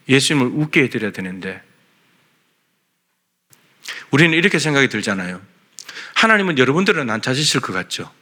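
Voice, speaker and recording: A man's voice: medium pitch, bright, forceful tone. A male pastor preaching a sermon in a church, earnestly voicing God's questions to the congregation. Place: church sanctuary.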